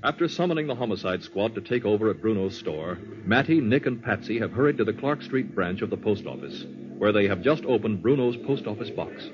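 Low-voiced male radio narrator over music. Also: lively intonation, fairly quick. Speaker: announcer, narrator. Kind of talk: scripted 1940s radio narration. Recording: dull lo-fi radio recording under loud music. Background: loud musical underscore.

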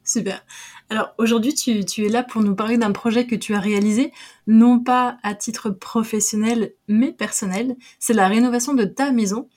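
A woman's voice: a little high, steady tone, moderate pace, a little mellow. A woman in her thirties hosting an interview podcast, upbeat and friendly as she introduces and questions her guest. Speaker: podcast host, interior designer. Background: faint music under intro.

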